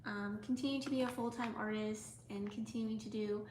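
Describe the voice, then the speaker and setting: A young woman from the United States, hosting a casual livestream as an artist. She talks softly and rambles with lots of "like" and "um", sometimes dropping almost to a whisper. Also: mid-range voice, fairly even intonation, brisk. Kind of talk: casual livestream chat with viewers. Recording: echoey room with faint ambient noise.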